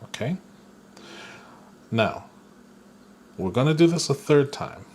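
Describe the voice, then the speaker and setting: A man giving a guided spiritual lesson, talking slowly and deliberately and chuckling now and then. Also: medium pitch, animated, darkish tone. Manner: slow, deliberate, with playful chuckles. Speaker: spiritual teacher.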